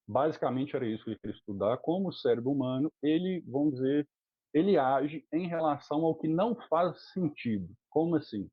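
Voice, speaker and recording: A man's voice: medium pitch, husky, no echo. A man with a Brazilian Portuguese accent, a guest teacher explaining in an interview, earnest and critical, with many filler words. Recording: tinny phone-like dry line.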